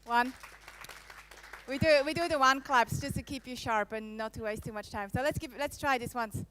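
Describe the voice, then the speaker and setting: A woman's voice: sits high, normal speed, a bit bright, a faint crowd, slight background noise. A woman in her thirties from Switzerland, with a Swiss-French accent, giving a conference talk on a handheld microphone, playful and teasing her audience. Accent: Swiss, with some French. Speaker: conference speaker. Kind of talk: live keynote presentation. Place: conference hall.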